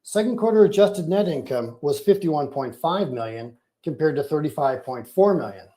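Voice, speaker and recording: A man with a fairly high but very mellow voice presents scripted financial results. He reads methodically and formally, as a finance chief on an earnings call. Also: animated, normal speed. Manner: formal, methodical reading of figures.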